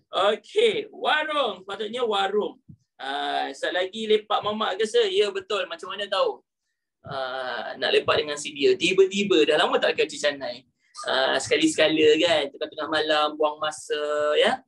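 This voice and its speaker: A man's voice: a little high, a bit bright. A male teacher giving a live online lesson, chatty and joking, with frequent "ah" fillers between points.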